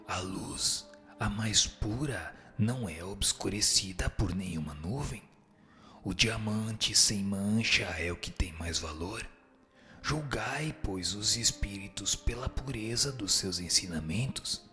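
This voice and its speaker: A man playing a wise, solemn spirit teacher in a radio drama, speaking in a measured, instructive way. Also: fairly low pitch, lively intonation, sharp tone, full character voice. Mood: solemn teaching. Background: music behind the voice.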